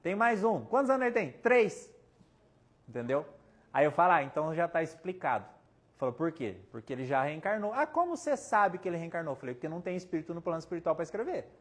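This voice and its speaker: Here a Brazilian spiritist medium talks fast in a slightly high voice that swings widely in pitch, carrying a Brazilian Portuguese accent. His relaxed talk is chatty and full of anecdotes, with quoted people, jokes, and questions from the audience.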